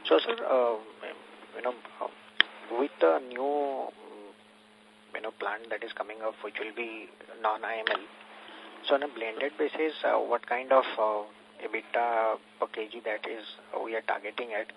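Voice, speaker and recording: A man's voice: on the low side, normal speed, creaky. A man politely asking questions as an investor on a conference call, in hesitant, piecemeal phrases. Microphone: conference call phone. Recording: faintly noisy conference phone line.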